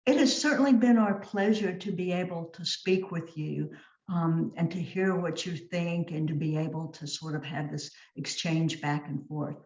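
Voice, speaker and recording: A woman's voice: on the low side, moderate pace, darkish tone. A woman guest expert on an online panel, answering in an agreeable, explanatory way. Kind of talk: panel discussion. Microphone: video call. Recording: roomy, dull video call audio.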